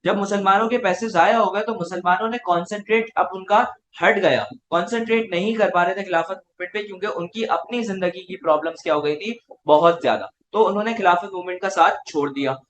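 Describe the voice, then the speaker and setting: A man's voice: high-pitched, brisk, few pauses, fairly bright tone, a little hiss or hum. A male teacher with a Pakistani Urdu accent, giving an online class lecture and answering his own rhetorical questions.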